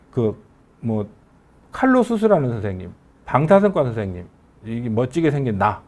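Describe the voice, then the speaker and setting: Animated man lecturing in a regional dialect. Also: mid-range voice. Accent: regional Korean dialect. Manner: animated, conversational lecturing that acts out patients' questions. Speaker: oncology professor. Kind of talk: medical lecture to an audience.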